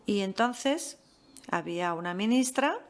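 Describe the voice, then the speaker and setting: Woman, mid-pitched, measured lecturer who pauses a lot. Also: animated. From France. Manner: measured, pauses often with fillers. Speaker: guest lecturer. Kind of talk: master class talk.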